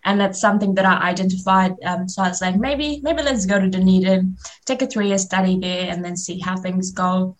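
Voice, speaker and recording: A woman's voice: mid-range voice, fairly even intonation, moderate pace. A woman in her twenties from Fiji, chatting casually as a radio interview guest and laughing easily. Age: 20s.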